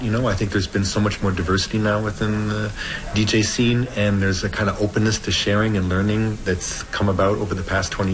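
Measured middle-aged male instructor. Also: on the low side, poor audio. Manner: thoughtful, measured, "you know" tags. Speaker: DJ course instructor. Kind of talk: interview answers.

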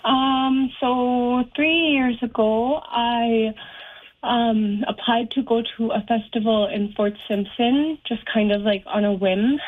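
A young woman, a singer and guitarist, answering interview questions casually, with many pauses and fillers. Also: mid-range voice. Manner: soft-spoken, hesitant, many ums and likes. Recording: tinny phone-like sound.

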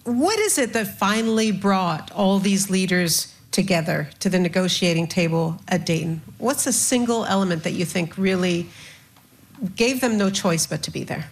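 A woman moderating a panel discussion who asks deliberate, probing questions. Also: on the low side.

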